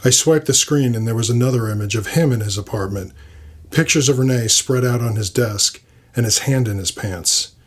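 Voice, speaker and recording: A man's voice: mid-range voice, normal speed. A man reading scripted first-person fiction as the narrator of an audio story.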